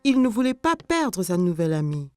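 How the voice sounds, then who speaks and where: A woman narrating a children's cartoon as a scripted story, telling it clearly in simple sentences. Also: on the low side, very animated, brisk, darkish tone, faint music behind.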